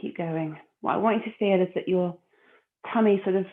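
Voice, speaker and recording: A woman leading a core exercise class, giving calm, encouraging cues and breath counts. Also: lowish voice, a little fast. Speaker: fitness instructor. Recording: phone-like narrow audio.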